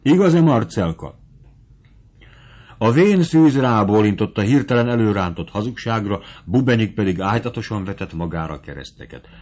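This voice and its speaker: Low-voiced, expressive male audiobook narrator. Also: hardly any pauses. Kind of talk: scripted literary narration.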